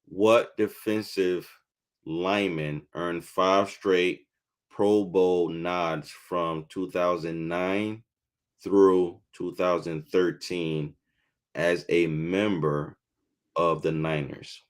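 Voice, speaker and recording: A man co-hosting a casual sports podcast, laid-back and unhurried as he talks. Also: low-pitched, fairly even intonation. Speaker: podcast co-host.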